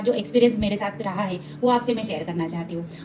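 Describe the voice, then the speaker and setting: A woman speaks with a fairly high pitch and ordinary pitch variation. Noticeable background noise sits behind her. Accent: Marathi. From Maharashtra, India. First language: Marathi (speaking Hindi). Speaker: tarot reader and YouTuber. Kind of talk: personal testimony vlog. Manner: halting.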